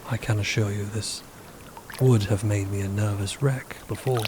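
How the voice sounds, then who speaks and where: A man's voice: on the low side, fairly even intonation, normal speed, noisy background, close to an everyday voice. A man playing a reserved, secretive undead being in a fiction podcast, awkwardly earnest, with a hesitant, formal manner. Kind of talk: understated fiction podcast acting.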